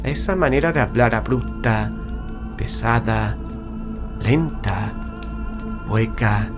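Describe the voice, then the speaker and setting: A man narrating a Gothic horror tale in a solemn, measured, literary style. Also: medium pitch. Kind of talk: scripted horror audiobook narration. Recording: prominent music bed under narration. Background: music.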